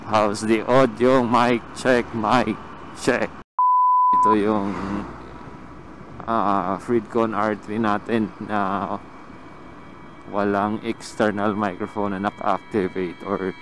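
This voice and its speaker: A man with a Filipino accent doing an unscripted, halting microphone test. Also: on the low side, flat delivery, a bit bright, rough recording. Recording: built-in intercom mic, background noise.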